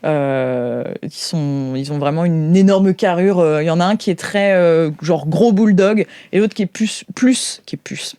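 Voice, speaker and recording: A French woman improvises the narration of a science-fiction role-playing game. Her voice sits slightly low and sounds very dry, with no room around it. She describes things informally, pausing to hunt for the next word. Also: mellow, clear, resonant tone, no room sound. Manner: informal, descriptive, halting as she searches for words. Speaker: game master.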